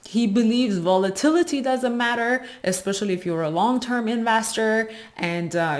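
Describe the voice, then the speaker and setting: Woman explaining investing research. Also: on the low side. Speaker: host of an investing video channel.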